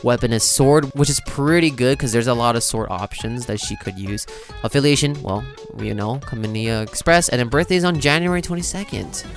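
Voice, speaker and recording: A man's voice: mid-range voice, a little fast. A man giving casual, slangy and exclamatory reaction commentary as a video host. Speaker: video host, game reaction content creator. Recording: music playing behind the voice. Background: music.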